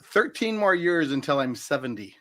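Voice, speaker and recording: Man, fifties, bright clear voice, playful host energy, self-deprecating humor. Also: a little high, big pitch swings, moderate pace. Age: 50s. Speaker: comedy show host. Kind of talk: casual comedic banter.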